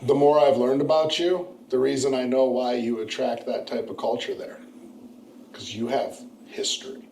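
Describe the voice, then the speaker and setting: A man's voice: mid-range voice, steady tone, normal speed, darkish tone, roomy sound, a little hiss or hum. A man hosting a podcast, chatting with a guest in a laid-back, enthusiastic way. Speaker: podcast host. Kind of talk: casual interview chat.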